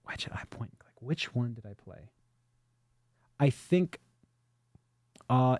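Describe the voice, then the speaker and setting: Reading out super chats on a casual livestream, this co-host answers viewer questions in a rambling way full of fillers. His mid-range voice is a little mellow, and the studio-microphone recording is studio quality with no room sound.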